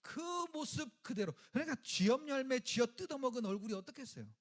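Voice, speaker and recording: A man's voice: expressive, fairly quick. A male pastor preaching a sermon in a colloquial, dramatic way, acting out quoted lines and joking with the congregation. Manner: dramatic, acts out quoted lines with swings in pitch and loudness.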